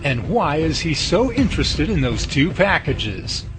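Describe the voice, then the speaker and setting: A man's voice: on the high side, sing-song, unhurried. A man giving dramatic scripted narration as the announcer of an audio drama serial.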